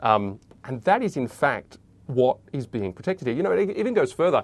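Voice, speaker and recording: A man's medium-pitched voice at a fairly quick pace, with lively intonation. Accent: Australian. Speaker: news commentator. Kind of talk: indignant political commentary, a pointed rant on school freedom and hidden agendas. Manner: emphatic, insistent, repeating phrases for punch, with moral outrage.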